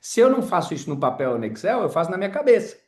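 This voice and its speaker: A man's voice: high voice, big pitch swings, rapid-fire, darkish tone, reverberant. A man teaching an informal sales class, chatty and full of personal stories, talking straight to his audience. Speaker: sales trainer.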